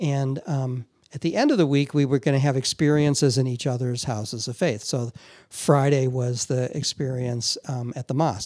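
Speaking at a fairly quick pace with an American accent, a man has an unremarkable speaking voice at a medium pitch with ordinary pitch variation. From Chicago. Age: 60s. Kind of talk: casual discussion.

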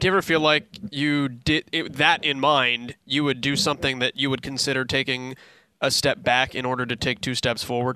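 A man with an American accent speaks at a medium pitch in a bright, sharp tone. His intonation is fairly even, the pace moderate, and the background quiet. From New Jersey. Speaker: podcast host, play-by-play broadcaster. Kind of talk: interview.

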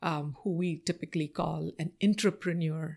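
Recorded very cleanly against a silent background, a woman with an Indian accent speaks at a moderate pace and a fairly low pitch. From India (Mumbai). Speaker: professor and nonprofit leader. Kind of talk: podcast interview.

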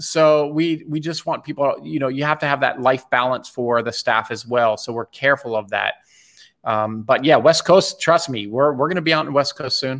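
A man with an American accent speaks in an unremarkable speaking voice at a moderate pace, fairly high in pitch with ordinary variation. The recording is very clean, with a silent background. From US Mid-Atlantic, Bethesda, Maryland. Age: young. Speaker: entrepreneur. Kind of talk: interview.

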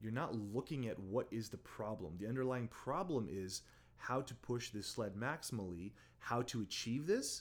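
Lively intonation marks this normal speaking voice with a Canadian accent at a moderate pace. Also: man, medium pitch for a man. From London, Ontario, Canada. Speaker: Olympic bobsledder. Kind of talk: long-form interview. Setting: in person at the hosts' home.

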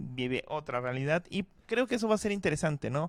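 In a normal speaking voice, a man talks at a fairly quick pace with lively intonation, and the sound is dry and close with no echo. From Mexico. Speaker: podcast co-host. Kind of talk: casual chat.

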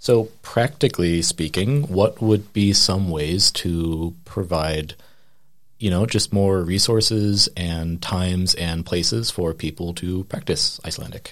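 A man with a very deep, low pitch and ordinary pitch variation is heard in a very clean recording with a silent background. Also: fairly slow pace. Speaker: podcast host. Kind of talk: podcast interview. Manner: conversational, with fillers.

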